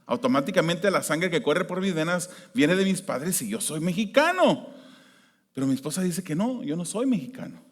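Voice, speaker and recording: A man from the United States preaching a sermon as pastor, shifting between loud emphasis and quiet, hushed prayer. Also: a little high, animated, moderate pace. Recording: long hall reverb.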